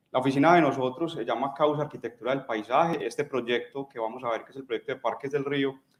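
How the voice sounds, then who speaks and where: A man with a strong Antioquian accent, medium in pitch, fairly quick in pace, with fairly even intonation. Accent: strong paisa. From Colombia, Antioquia (paisa). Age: 30s. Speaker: landscape architect. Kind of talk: lecture. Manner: casual, many filler words.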